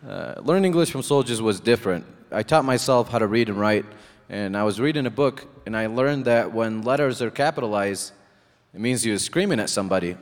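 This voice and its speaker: A man from Iraq doing a stand-up comedy set on a live stage, deadpan and halting, with many pauses and fillers. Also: lowish voice, slight background noise. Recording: reverberant venue with crowd.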